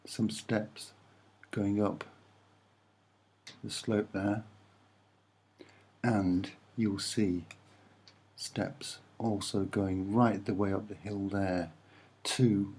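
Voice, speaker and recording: A soft-spoken man giving a hesitant, musing, rambling commentary on images as an amateur presenter. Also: lowish voice, breathy edge.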